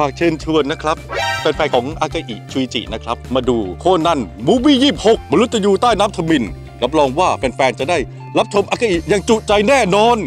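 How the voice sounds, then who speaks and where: A man speaks with very wide pitch swings. Clear music plays in the background. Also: dry sound with no echo. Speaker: voice actor. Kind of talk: interview answer. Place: office.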